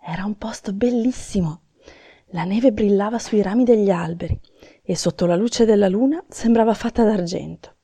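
Woman reading a kids fairy tale, gentle, dark mellow tone, bit raspy. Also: medium pitch, moderate pace, no echo. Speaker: storyteller. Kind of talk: children's storybook narration.

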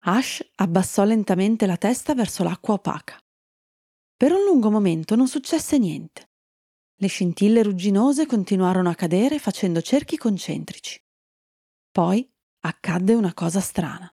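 A woman tells a children's fairy tale in a calm, steady storybook manner. Her voice is mellow and husky, with noticeable gravel. The sound is close and dry. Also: medium pitch, normal speed, no echo. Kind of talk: storybook narration.

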